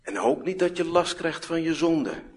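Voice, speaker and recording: Earnest preacher swinging from hush to fervor. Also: male voice, expressive, normal speed. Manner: swings between hushed low passages and loud, rising exhortations; earnest, rhetorical, repeats phrases for emphasis. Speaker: pastor. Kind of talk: sermon.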